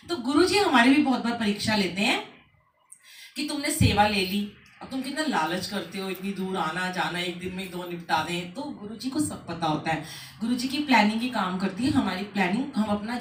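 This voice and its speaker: A middle-aged woman leads a devotional satsang in a home gathering, telling lively anecdotes and acting out what people said. Her voice is medium-pitched, and the recording sounds distant in an echoey indoor room.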